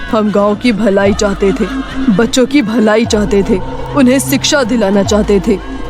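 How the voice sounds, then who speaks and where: Casting: actress as vengeful murdered teacher's ghost, mid-pitched, menacing horror cartoon delivery, prominent music. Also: female voice, lightly acted. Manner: menacing, slow declarations, repeated demands. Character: vengeful ghost schoolteacher, a murdered woman seeking release. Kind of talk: dramatic horror cartoon voice acting.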